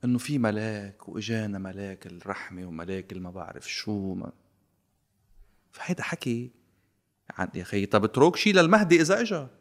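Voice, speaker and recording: A man with a Lebanese Arabic accent, talking politics in a casual, sarcastic, animated way and slipping into English phrases. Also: on the low side, a little fast. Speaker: guest commentator.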